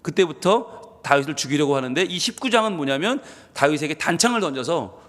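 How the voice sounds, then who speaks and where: A man's voice: a little high, animated, brisk, a bit bright. A man preaching an early-morning sermon as pastor, asking his congregation questions as he goes. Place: church sanctuary. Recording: long church reverb.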